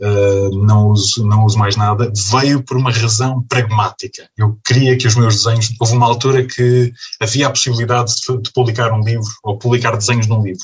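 A man speaks in a monotone with flat intonation. His voice is somewhat breathy. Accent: European Portuguese. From Portugal, Algarve (Lagos). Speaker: illustrator and architect. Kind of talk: casual interview.

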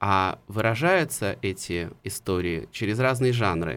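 A man's voice with ordinary pitch variation, recorded very cleanly against a silent background. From Saint Petersburg, Russia. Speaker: poet and musician. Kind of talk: interview. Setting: studio.

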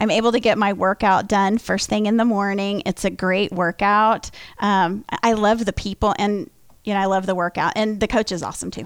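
On a very clean recording with a silent background, a plain, everyday voice speaks at a moderate pace with fairly even intonation. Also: woman. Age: 40s. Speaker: franchise founder. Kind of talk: casual chat.

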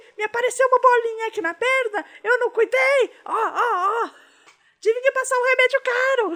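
Shouting in a put-on character voice, a woman hits an extremely high pitch. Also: moderate pace. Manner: shouting, complaining.

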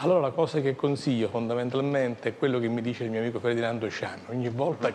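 Noticeable background noise sits behind a man's voice. His pitch is medium with ordinary variation. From Sicily. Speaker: photographer and photography critic. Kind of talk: interview. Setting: festival venue near the beach.

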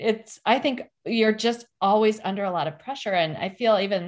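Over a quiet background, a woman with an unremarkable speaking voice talks at a moderate pace, medium pitch and ordinary pitch variation. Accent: American. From Milwaukee, Wisconsin (early childhood in Denver). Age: 50s. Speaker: novelist. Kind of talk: interview conversation. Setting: radio studio.

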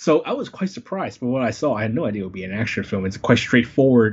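A man speaks here. His voice is somewhat breathy. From Hong Kong. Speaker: film blogger and subtitle translator. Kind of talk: casual film discussion.

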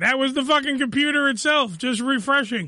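Speaking at a fairly slow pace with a raised, projected voice, a man with an extremely high pitch has a bright, sharp tone and ordinary pitch variation. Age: 40s. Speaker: radio show host. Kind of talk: casual chat; reading news stories aloud. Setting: studio. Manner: animated.

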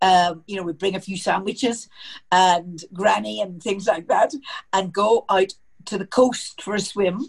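Speaking with a Belfast accent, a woman uses a medium pitch and ordinary pitch variation in a somewhat breathy voice. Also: fairly slow pace. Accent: Belfast Northern Irish. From Northern Ireland, Belfast. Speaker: geologist and oil explorer. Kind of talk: casual interview.

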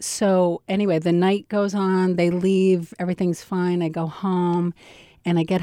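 With a normal speaking voice, a woman talks fairly slowly at a medium pitch on a very clean recording with a silent background. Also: dry, close sound with no echo. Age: 40s. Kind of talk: personal storytelling and interview.

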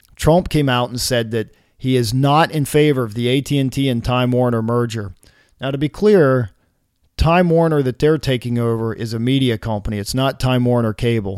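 On a very clean recording with a silent background, a man speaks in an ordinary speaking voice at medium pitch and a moderate pace. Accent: American. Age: 50s. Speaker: wireless industry podcast host. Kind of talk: solo podcast commentary. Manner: casual, conversational.

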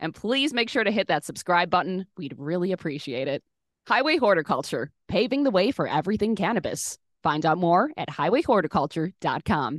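A woman with an American accent talks at a fairly quick pace and medium pitch, her voice making very wide pitch swings. The sound is dry and close with no echo, over a quiet background. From Chicago. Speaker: podcast host, DJ. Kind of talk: casual chat.

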